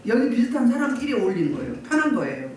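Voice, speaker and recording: Speaking rapid-fire in a slightly high, sing-song, somewhat mellow voice, a woman pastor preaches on a Sunday and presses the congregation with repeated rhetorical questions. It's captured from a distance in an echoey church sanctuary, with slight background noise.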